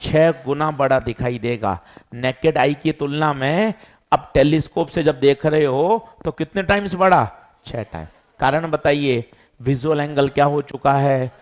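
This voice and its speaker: Lively physics teacher man. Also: a little high, measured pace. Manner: lively, quizzing students and answering himself. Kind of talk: classroom lecture.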